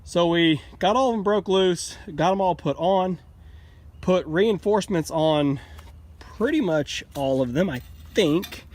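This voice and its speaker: A man's voice: high-pitched, a little slow, a little mellow. A man, a bit out of breath, casually showing the upgrades on his sawmill in a plainspoken, folksy way. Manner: plainspoken, folksy, explains as he goes. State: a little out of breath. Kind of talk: casual how-to vlog. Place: outdoors at a sawmill.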